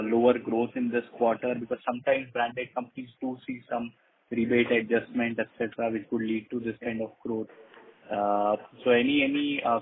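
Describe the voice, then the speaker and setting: A man's voice: medium pitch, slight background noise. Hesitant male analyst on a tinny phone line. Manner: hesitant, halting, polite. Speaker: analyst asking questions. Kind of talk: unscripted business questioning.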